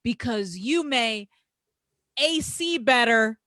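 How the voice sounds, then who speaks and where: A brash, boastful male wrestler played by a woman cuts a promo in a high, dry-sounding voice. The delivery is slow and emphatic, full of crude taunts and grand self-praise. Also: expressive, bright, forceful tone, dry recording, exaggerated voice. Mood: taunting, cocky. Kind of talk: staged reading of wrestling promos.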